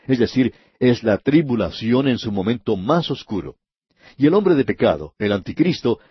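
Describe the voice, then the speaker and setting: A man teaching the Bible on the radio, measured and emphatic, slowing down to stress key words. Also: mid-range voice, breathy edge, dry recording. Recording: dull, slightly lo-fi broadcast audio.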